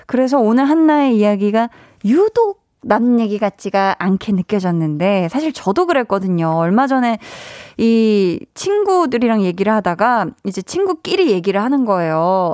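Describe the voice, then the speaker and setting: Lively intonation from a woman with a fairly high pitch and very even loudness, in a dry, close sound with no echo. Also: moderate pace. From Seoul. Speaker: radio DJ. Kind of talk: evening radio show, reading listener messages. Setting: radio studio, visible radio. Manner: warm, chatty, frequent laughter.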